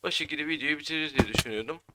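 A man's voice: on the high side, very fast. A young man giving casual gameplay commentary as a gaming YouTuber. He keeps grumbling and repeating how frustrated he is. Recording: loud background noise.

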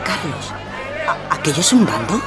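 Self-assured married lady, played by an actress, animated lowish voice, street crowd and music behind. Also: moderate pace. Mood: curious, assured. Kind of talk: audio drama acting.

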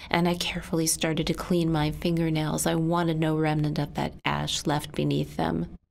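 A woman slowly voicing a signed story aloud, her voice often dropping to a hushed whisper. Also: sits low, level tone, creaky, slight background noise.

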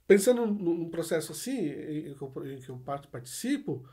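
A man's voice: a little high, sing-song, moderate pace, dark tone. Brazilian accent, middle-aged man, musician guest, rambling anecdotes, restarts a lot. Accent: Brazilian Portuguese. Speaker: musician, arranger and producer guest. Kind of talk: casual podcast conversation.

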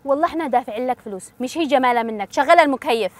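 An actress playing a sharp-tongued, demanding woman traveler with a Yemeni accent. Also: high-pitched, rapid-fire, close to an everyday voice. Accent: Yemeni Arabic. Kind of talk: TV drama acting.

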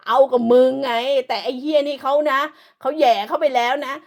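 A woman's voice: high voice, steady tone, brisk. A woman delivering an angry, profane, scolding rant as an online commentator, hurling insults throughout.

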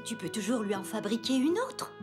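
A woman's voice: fairly high pitch, big pitch swings, fairly quick, over music. A woman voicing a kind, encouraging daycare teacher talking to small children in a cartoon. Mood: helpful, reassuring.

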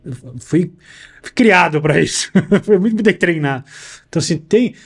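A man's voice: sits high, normal speed, husky. A man hosting a podcast in casual chat, telling frank stories and acting out what other people said. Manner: animated storyteller, quotes people in their own voices; slangy and frank. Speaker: podcast host.

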